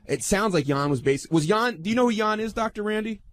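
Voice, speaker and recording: A man's voice: high-pitched, animated, fast talker, dry recording. A man on a radio panel asking persistent questions in an unscripted debate.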